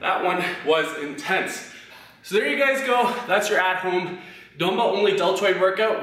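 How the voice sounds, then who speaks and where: A man's raised, projected voice, high-pitched and energetic, with lively intonation at a moderate pace and audible room echo. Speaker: fitness instructor. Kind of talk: guided home workout tutorial, coaching through reps. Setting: home workout video. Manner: energetic, motivating, counting reps aloud with clear cues. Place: empty room.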